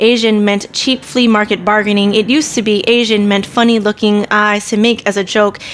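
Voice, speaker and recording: In an American accent, the speaker talks at a moderate pace with monotone, flat intonation over noticeable background noise. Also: woman. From California, Stockton. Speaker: poet and educator. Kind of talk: spoken word poetry performance.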